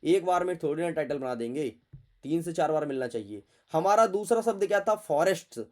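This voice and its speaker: A young man with a fairly high voice teaches an exam prep lesson, speaking straight to his students in a chatty, playful way. While he hunts through a passage he drops into muttering to himself. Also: expressive, fairly quick.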